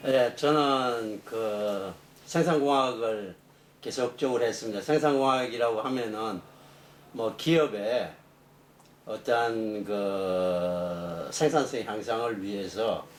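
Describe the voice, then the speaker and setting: A middle-aged man, a professor being interviewed, explaining technical matters off the cuff in a halting way. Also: lowish voice. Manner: halting, explanatory, rephrasing as he goes. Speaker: engineering professor, interview guest. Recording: echoey room, distant mic, faint noise.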